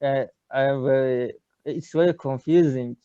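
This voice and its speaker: A man's voice: mid-range voice, normal speed, warm tone, clear, resonant tone, no room sound, muffled recording. A man with a Turkish accent, a learner of English, talking on a video call and often stopping to search for words. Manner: hesitant, searching for words, many uhs. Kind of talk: casual video-call lesson chat.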